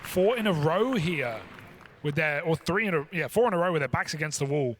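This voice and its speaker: A man's voice: fairly high pitch, animated, a little fast, a bit bright, a little hiss or hum. A man giving live esports play-by-play as a caster, in clipped phrases that follow the action.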